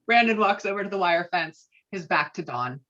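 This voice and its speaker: A woman's voice: fairly low pitch, expressive, moderate pace, sharp tone, dull audio. A woman reading screenplay stage directions as scripted narration in a virtual table read.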